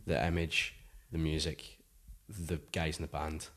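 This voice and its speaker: A man's voice: a bass voice, little pitch movement, measured pace, fairly bright tone. A Scottish man in his thirties, a musician guest talking casually in an interview, rambling with lots of "like" fillers. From Scotland.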